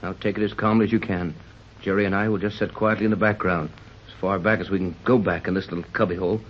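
A man plays a calm sea captain in an old radio serial, with a low, steady, reassuring voice. The recording is dull and faintly hissy. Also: quick pace, close to an everyday voice. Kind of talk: 1930s radio drama acting.

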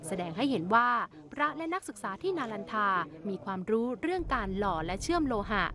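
A woman news reporter reading a scripted royal news report in a formal, measured way. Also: a little high, a bit bright.

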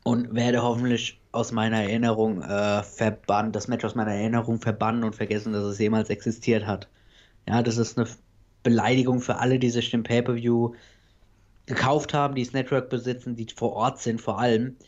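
A man's voice: medium pitch, little pitch movement, brisk, darkish tone, highs cut off. A man co-hosting a casual podcast, blunt and dismissive, swearing freely. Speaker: podcast co-host.

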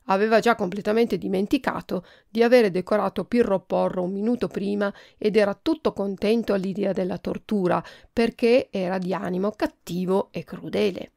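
A woman podcast host reading a children's book aloud, expressive and lively. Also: medium pitch, moderate pace, vocal fry, hardly any pauses, no echo, clean studio sound.

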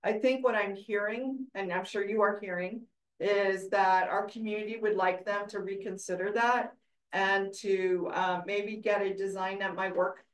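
A woman leading a neighborhood board meeting, speaking in a measured way with frequent hedges. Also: medium pitch, fairly even intonation. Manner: measured, hedging with "I think". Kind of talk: public meeting discussion. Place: meeting room. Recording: roomy hall mic from far off.

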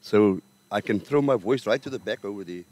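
A man's voice: on the low side, a little fast, darkish tone, no echo. An older South African man giving a funeral address outdoors at a cemetery, speaking plainly and personally into a stand mic. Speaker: pastor.

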